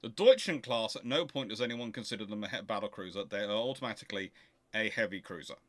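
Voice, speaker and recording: A man's voice: fairly low pitch, quick pace, no room sound. A man hosting a casual history question-and-answer stream, explaining things emphatically and often correcting himself mid-sentence. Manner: emphatic, animated argumentative explaining with self-corrections. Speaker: host of a naval history question show. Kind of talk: casual livestream Q&A with rambling explanation.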